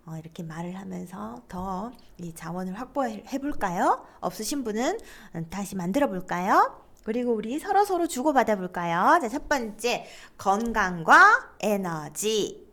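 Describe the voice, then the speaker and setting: Lively woman lecturer prompting her class. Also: mid-range voice, moderate pace, hardly any pauses. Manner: lively, prompts students to read aloud. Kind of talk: online lecture on stress coping.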